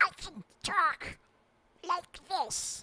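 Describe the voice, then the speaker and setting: A squeaky, put-on character voice at an extremely high pitch. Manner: puffed-cheek talking.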